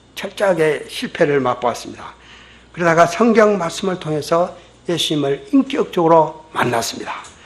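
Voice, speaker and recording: With noticeable background noise behind him, a man talks at a moderate pace with lively intonation and a high pitch. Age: 60s. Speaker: missionary preacher. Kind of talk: sermon.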